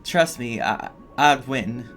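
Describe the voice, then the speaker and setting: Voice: medium pitch, lively intonation, slow pace. A game streamer giving casual, emotional, gushing reactions to a story. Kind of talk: casual gameplay reaction commentary.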